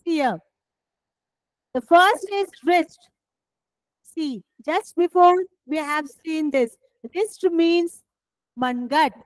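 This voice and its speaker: A woman teacher with a Marathi accent explaining English words to children, slowly and deliberately, often repeating her questions to the class. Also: very high voice, no echo, poor audio. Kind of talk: scholarship exam English lesson for children.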